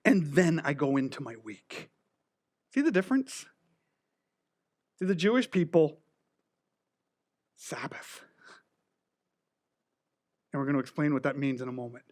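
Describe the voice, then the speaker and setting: A middle-aged man preaching a sermon with a slight lisp and a voice pitched a bit high. He swings between loud, lively stretches and near-whispers, with a joking, self-deprecating touch. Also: brisk, pauses often. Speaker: pastor.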